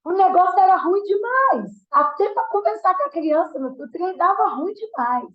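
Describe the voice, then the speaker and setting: A woman's voice: very high voice, animated, normal speed. A woman from giving an earnest, emotional testimony sermon, often restarting her sentences. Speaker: guest minister giving a testimony. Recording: roomy, dull church sound.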